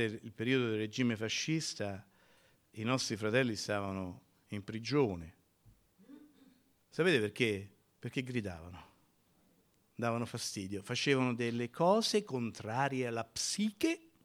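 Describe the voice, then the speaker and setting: A male pastor preaching a sermon in a church, emphatic, swinging from loud cries to near whispers. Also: lowish voice.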